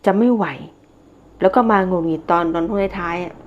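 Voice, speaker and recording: Woman, tarot reader, casual monthly horoscope, chatty and repetitive, low voice, muffled lo-fi sound. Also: fairly even intonation, fairly quick. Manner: chatty, repeats herself, frequent fillers and polite particles.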